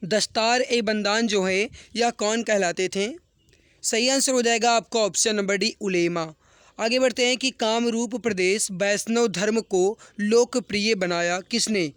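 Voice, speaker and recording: Male exam tutor, sore throat. High, smooth voice, dry close sound. Earnest and encouraging, repeats every question. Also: dry recording. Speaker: exam-prep teacher. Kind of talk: online exam practice class.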